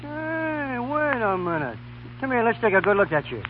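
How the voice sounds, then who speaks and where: An actor playing a menacing gangster in rough street slang in a 1930s radio drama. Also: male voice, very high-pitched, big pitch swings, normal speed. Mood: slyly menacing. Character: menacing slangy gangster sent to silence a witness. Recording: tinny, hissy 1930s radio broadcast.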